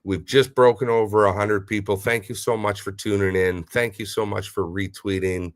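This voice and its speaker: A man's voice: on the low side, steady tone, moderate pace. Nasal, stuffy-voiced male host. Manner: upbeat, shout-outs to listeners. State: nasal from a head cold. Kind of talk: casual livestream chat.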